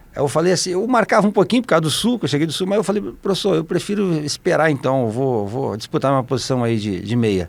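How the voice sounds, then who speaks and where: Over a silent background in a very clean recording, a man with a fairly high pitch talks at a very fast pace with very wide pitch swings. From southern Brazil, Porto Alegre. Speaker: former footballer. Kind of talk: casual interview. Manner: halting, many repetitions.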